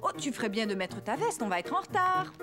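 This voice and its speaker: A woman's voice: a little high, very animated, fast. A woman voicing a kind, encouraging young mother in a children's cartoon, speaking affectionately. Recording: music behind.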